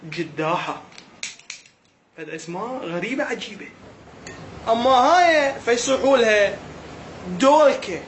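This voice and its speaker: A man's voice: very high voice, expressive, a little slow, long pauses, slight background noise. A man with an Iraqi accent, doing a playful, joking vlog monologue to his viewers in a mock-puzzled way. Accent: Iraqi Arabic. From Iraq. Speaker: vlogger.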